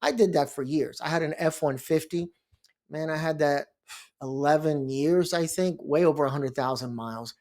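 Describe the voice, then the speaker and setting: Middle-aged lawyer from Miami, slightly high voice, easygoing rambling monologue. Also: male voice, normal speed, darkish tone. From Miami, Florida. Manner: chatty, rambling, frequent restarts and asides. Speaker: bankruptcy lawyer and blog host. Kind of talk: casual monologue to camera.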